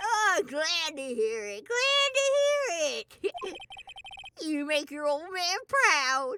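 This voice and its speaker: In a put-on character voice with an extremely high pitch, the speaker delivers lines at a very slow pace, swinging very widely in pitch and leaving long, frequent pauses. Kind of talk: warm, approving.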